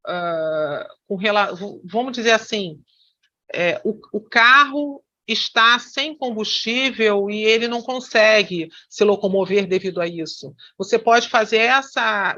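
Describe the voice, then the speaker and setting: A woman with a bright, sharp voice teaches hypnosis in an online lesson. She explains with many fillers and restarts. The recording is dull and lo-fi, like a video call. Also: a little high.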